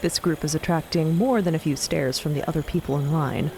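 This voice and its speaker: A woman's voice: deep voice, brisk, background noise. A woman narrating a scripted story in a descriptive storytelling style. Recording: loud music behind narration.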